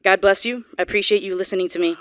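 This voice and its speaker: A young adult woman from Guatemala who grew up on Long Island's East End, giving an earnest, informal public comment at a podium microphone in a town hall meeting room, with halting restarts. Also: medium pitch, a bit bright, smooth, clean studio sound. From Guatemala, raised on Long Island's East End. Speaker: local resident speaking at public comment.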